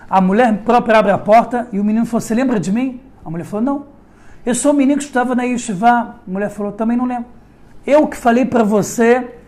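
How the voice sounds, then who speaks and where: A middle-aged man, a rabbi, teaching a Torah lesson through an animated story and speaking directly to his listeners. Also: high voice. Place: Israel.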